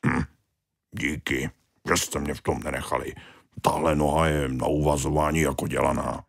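A man's voice: low-pitched, expressive, a bit bright, breathy edge, no room sound, studio quality, full character voice. Man playing a grumpy starfish grouch. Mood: grudging. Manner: complaining, bossy, whiny. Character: grumpy, touchy loner starfish, male.

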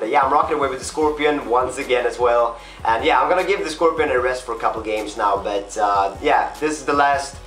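Chatty young man, voice gone deep. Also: a bit bright, reverberant. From Sweden. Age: young adult. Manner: rambling, chatty, many fillers. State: voice deep and rough after a night of drinking. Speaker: gaming vlogger. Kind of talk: casual vlog to camera. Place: small bedroom desk setup, indoors.

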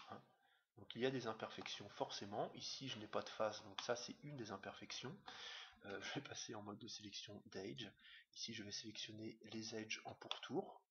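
A man teaching a screen-recorded software tutorial, talking fast and hesitantly with many fillers. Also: lowish voice. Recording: dull lo-fi mic with faint hiss.

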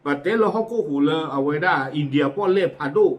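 Male news presenter, casual and chatty, slightly higher voice, lots of fillers. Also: fast talker. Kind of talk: casual spoken news commentary.

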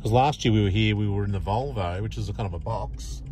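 A man's voice: fairly low pitch, fast talker, darkish tone, slight background noise. A man, hosting a casual car vlog and rambling with plenty of fillers, recorded on a phone in a car. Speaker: vlog host. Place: inside a parked car.

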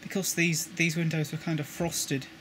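A man's voice: a little high, flat delivery, normal speed, a bit bright, a little hiss or hum. A British man explaining his model railway coach lighting work in a casual tutorial, often repeating words as he handles the parts. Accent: British English. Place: indoors at a table with a model railway.

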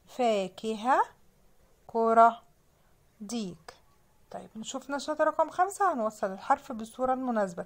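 A young woman with an Egyptian accent teaching children to read, sounding out letters and words slowly and patiently. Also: on the high side. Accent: Egyptian Arabic. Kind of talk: children's reading lesson.

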